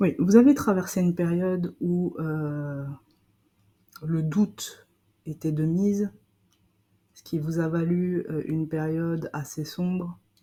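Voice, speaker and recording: With long, frequent pauses, a woman talks very slowly at a fairly low pitch and with fairly even intonation. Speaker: tarot reader. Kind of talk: tarot reading video. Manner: hesitant, many filler sounds.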